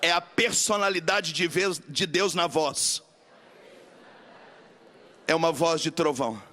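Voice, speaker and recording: Brazilian male preacher, high-pitched, emphatic call-and-response sermon delivery. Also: slow pace, pushed and bright. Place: live camp gathering.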